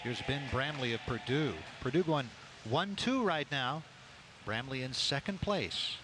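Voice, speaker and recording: A man's voice: mid-range voice, animated, a little slow. A man doing live play-by-play sports commentary in a factual announcer's delivery, setting out standings and scores. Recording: noisy indoor sports venue ambience. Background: venue noise.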